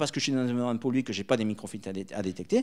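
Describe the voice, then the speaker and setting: A medium-pitched man with a southern French accent, on a very clean recording against a silent background. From southern France. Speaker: industrial equipment sales manager, conference speaker. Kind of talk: conference presentation with Q&A. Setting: conference room with audience. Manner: animated, hesitant with many false starts.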